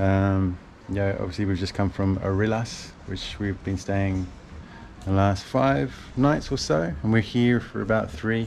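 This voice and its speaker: With light background noise, a man speaks at a fairly slow pace, his fairly low voice showing ordinary pitch variation. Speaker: travel vlogger. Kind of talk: casual vlog chat. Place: street. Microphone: phone near.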